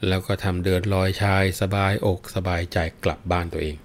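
A man with a fairly low voice narrates an old folk tale. He tells it in a lively, dramatic way, leaning on the key moments. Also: a little fast. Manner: breaks into chanted verse recitation. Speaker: storyteller. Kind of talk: retelling a classic folk tale.

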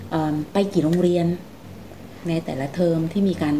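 A woman hosting a conversational interview, gently prompting her young guests with questions. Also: on the low side, steady tone, normal speed, poor audio. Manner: gently prompting, calls herself "big sister" to young guests. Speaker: radio programme host interviewing two young sisters. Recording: faint background noise.

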